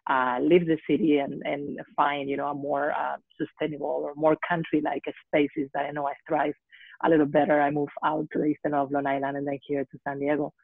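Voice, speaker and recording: Spanish accent lady on a video call, gravelly voice, tinny phone-ish sound, lots of ums. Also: low voice, little pitch movement, brisk, dry recording. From Spain. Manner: hesitant, many fillers. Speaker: guest health coach. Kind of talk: online panel conversation.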